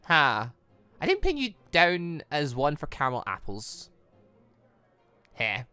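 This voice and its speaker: Animated bright-voiced man, gaming commentary. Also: on the high side, slow pace, clean tone, no echo. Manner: stumbles over words and corrects himself. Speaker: gaming channel host. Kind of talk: visual novel read-aloud with off-the-cuff commentary.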